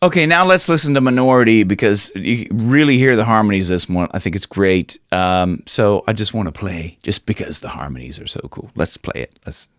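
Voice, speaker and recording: A man's voice: on the low side, expressive, brisk, hardly any pauses, no room sound, clean studio sound. A man in his forties from Ohio, teaching a singing lesson in a chatty, loose way and now and then singing lines to demonstrate. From Ohio, USA. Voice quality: raspy in his upper singing range. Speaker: vocal coach. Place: small room with a dark curtain behind. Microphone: studio microphone on a stand, headphones on.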